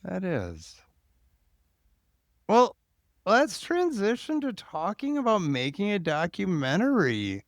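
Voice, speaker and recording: A man's voice: sits high, wildly swooping pitch, slow pace, long pauses, no room sound, clean studio sound. A man hosting a podcast, interviewing in a casual way and thinking aloud informally. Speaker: podcast host.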